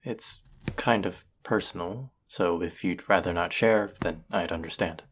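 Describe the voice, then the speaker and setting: A man's voice: low-pitched, measured pace, slightly rough. A man acting a cocky, teasing male chef in an intimate romantic audio roleplay, speaking to his rival and love interest. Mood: tender, playful.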